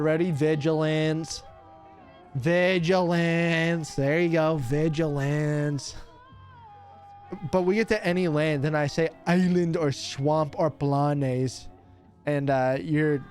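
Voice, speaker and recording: Playful young male streamer, slightly high. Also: fairly even intonation, measured pace, darkish tone, faint music behind. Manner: playful, teasing, laughs often. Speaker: streamer and radio host. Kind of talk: casual chat while opening cards.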